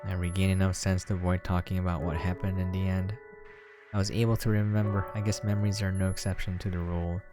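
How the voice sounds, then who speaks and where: Male game preview host, low register, reads story text aloud with casual asides, music underneath. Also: flat delivery, fast. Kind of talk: reading a visual novel aloud with casual asides.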